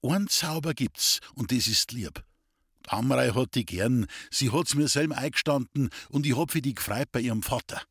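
A man voicing a cheerful young male artilleryman with a Bavarian accent, speaking in a husky, hearty voice. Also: mid-range voice, moderate pace, no echo, clean studio sound. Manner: hearty, lively dialect speech.

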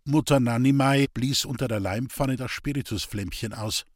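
An audiobook narrator with a mid-range voice reads a story aloud in calm, measured, scripted narration. The recording is clean studio sound with no room sound.

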